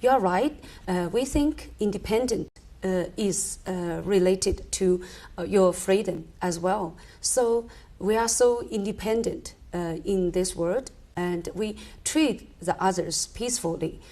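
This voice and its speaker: A woman from China with a Chinese accent, an interview guest answering slowly and hesitantly with many fillers. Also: medium pitch, mellow.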